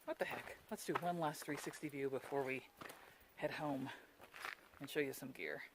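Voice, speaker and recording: A woman's voice: rumbling low, moderate pace, background noise. A woman chatting casually to her camera as a vlogger, laughing often and poking fun at herself. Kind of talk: casual vlog chat. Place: on a mountain trail outdoors, later at home.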